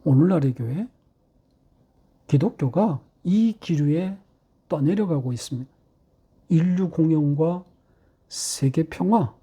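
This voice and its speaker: Slow, husky-voiced male preacher. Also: fairly high pitch, animated, mellow, lo-fi sound. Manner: rhetorical questions, measured delivery with slowed emphatic phrases. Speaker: pastor. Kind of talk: sermon.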